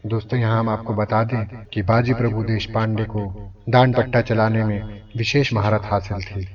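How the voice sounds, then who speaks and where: Distant, dull-sounding low-voiced male narrator. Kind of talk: scripted historical storytelling narration. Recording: distant, dull lo-fi, crowd noise behind.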